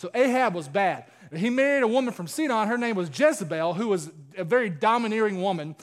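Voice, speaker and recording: This man speaks at a fairly quick pace in a Southern US accent. His pitch is high and his intonation lively. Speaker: campus pastor. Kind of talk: sermon. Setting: church. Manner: fast talker, passionate.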